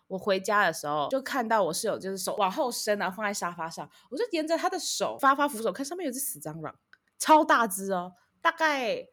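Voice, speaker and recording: Lively, fast-talking young woman. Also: mid-range voice. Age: young adult. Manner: expressive, chatty, quick to joke. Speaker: podcast co-host. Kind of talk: casual storytelling chat.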